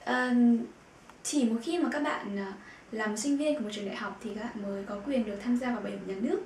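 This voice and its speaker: A woman with a fairly high voice teaches vocabulary in an echoey room with faint noise behind her. She says each term slowly, repeats it, and fills her pauses with soft hesitation sounds. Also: recorded from a distance. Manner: repeats words slowly and clearly, with frequent filler sounds. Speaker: German language teacher. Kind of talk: vocabulary lesson.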